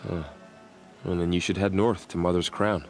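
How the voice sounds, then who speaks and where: A man playing a grave, guarded tribal warrior in a video game, speaking in measured, formal phrases. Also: low voice, little pitch movement, a little mellow, faint music behind. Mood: solemn.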